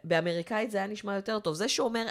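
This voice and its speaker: A woman speaks as an academic guest in a casual podcast discussion. She explains in a lively, teacherly manner, at middle pitch.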